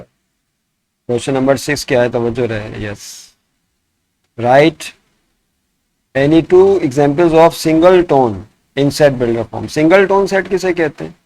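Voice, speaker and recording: A man teaching a math lesson. He asks his students questions and answers them himself, and he slows down to dictate each problem word by word. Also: medium pitch, a little mellow, dry recording. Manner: mixes in English math terms. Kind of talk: classroom lesson explaining sets.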